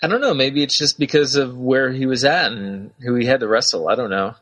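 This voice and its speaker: A man's voice: medium pitch, a little fast, fairly bright tone. A man co-hosting a casual talk show, speaking hesitantly with many fillers as he works through his thoughts. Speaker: podcast co-host.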